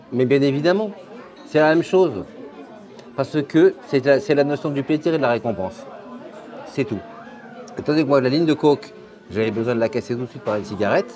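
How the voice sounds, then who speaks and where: Amid crowd noise, a man with a fairly high pitch talks at a fairly quick pace with lively intonation and long, frequent pauses. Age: 60s. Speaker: former smoker with chronic lung disease. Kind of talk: interview. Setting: Paris café, then indoors.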